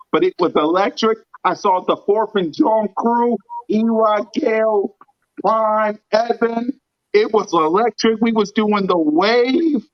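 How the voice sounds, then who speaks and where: Man, sports podcast host, hype fan energy, hoarse scratchy voice, high and slow. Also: no echo, lo-fi sound. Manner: excited, hype fan talk. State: scratchy voice from screaming. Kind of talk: casual sports podcast chat.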